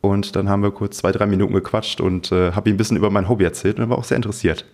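A man with a fairly low voice talks casually as a podcast co-host. His manner is informal and enthusiastic, as in a relaxed chat about a hobby. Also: very fast.

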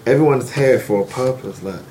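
A man's voice: mid-range voice, brisk, warm tone, a little hiss or hum, low-quality recording. A young man hosting a podcast, talking in a laid-back, slangy way full of fillers. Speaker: podcast host. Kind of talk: casual interview chat.

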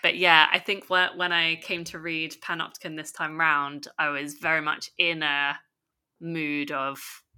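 A woman's voice: low-pitched, flat delivery, a little slow, sharp tone, smooth. A woman with a London accent talking thoughtfully about a book on a podcast, with light laughs. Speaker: podcast co-host. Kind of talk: casual book discussion.

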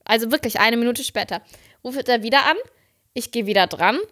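Bright high-voiced woman telling an anecdote. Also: brisk. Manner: animated, acting out dialogue, giggly. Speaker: podcast co-host. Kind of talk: casual chat, storytelling.

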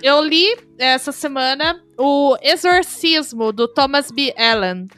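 Bright high-voiced Brazilian woman. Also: expressive, takes it slowly, no room sound. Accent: Brazilian Portuguese. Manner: enthusiastic, explanatory, chatty. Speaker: podcast host. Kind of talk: casual podcast chat.

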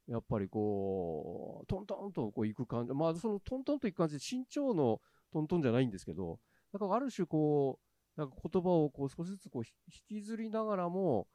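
Mellow, thoughtful man hosting a podcast. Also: a little high, very animated, quick pace, no room sound. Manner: thoughtful, hesitant, many fillers. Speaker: podcast host. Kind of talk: casual chat.

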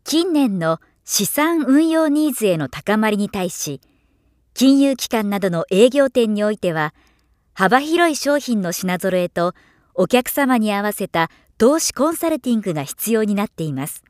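A professional female narrator delivers scripted material at a medium pitch. Her articulation is clear and her manner is measured and formal. The recording is close and dry, with very little room sound. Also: very animated, a little mellow, no echo. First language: Japanese. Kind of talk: polished scripted narration for demos.

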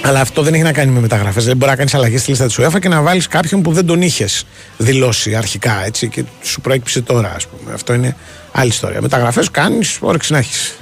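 A man's voice: medium pitch, lively intonation, gravelly, soft background music. A man co-hosting a sports radio show, arguing his points emphatically and repeating them for weight. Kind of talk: casual radio sports chat. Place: radio studio.

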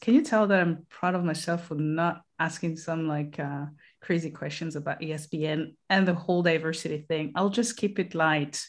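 A woman's voice: sits low, steady tone, normal speed, hardly any pauses. A woman interviewing a guest, asking playful and teasing questions in a casual way.

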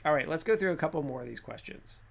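A man's voice: a little high, animated, fast, creaky. A man giving casual, rambling advice to viewers about instructional design, with lots of fillers and restarts. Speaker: instructional design host answering viewer questions.

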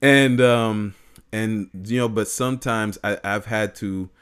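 A man with a big, low singer's voice, co-hosting a relaxed conversation. He circles through restarts before finding his point and laughs easily along the way. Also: takes it slowly, smooth. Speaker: podcast co-host, singer. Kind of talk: casual chat.

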